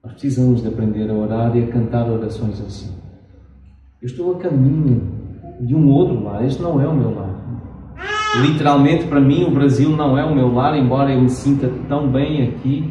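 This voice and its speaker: A middle-aged man from Portugal with a European Portuguese accent, preaching a sermon with slow, emphatic pauses. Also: mid-range voice, dark tone, lo-fi sound, a little hiss or hum. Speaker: pastor. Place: church sanctuary. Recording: very echoey church, distant mic.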